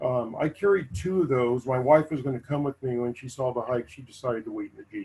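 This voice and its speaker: Very fast and with hardly any pauses, a man speaks at a medium pitch in a somewhat breathy voice with a dark, mellow tone and ordinary pitch variation. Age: 60s. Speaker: ham radio hiker, attendee. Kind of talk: casual group chat.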